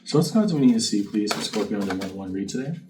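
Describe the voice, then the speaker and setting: A man's voice: fairly low pitch, expressive, rapid-fire. A man hosting a casual tarot reading, talking to the viewer in a conversational, reflective way. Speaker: tarot card reader and channel host. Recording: distant mic with faint background noise.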